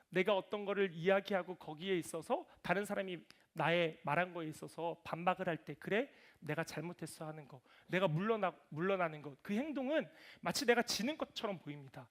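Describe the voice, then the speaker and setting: A man in his thirties preaching a sermon in church, telling lively family stories and acting out voices. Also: high voice, fairly quick. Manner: animated storytelling, voices his toddler and himself. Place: church sanctuary.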